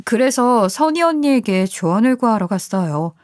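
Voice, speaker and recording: A woman's voice: fairly high pitch, big pitch swings, moderate pace, a little mellow, no room sound, studio quality. A woman narrating a first-person story in a confiding, scripted manner.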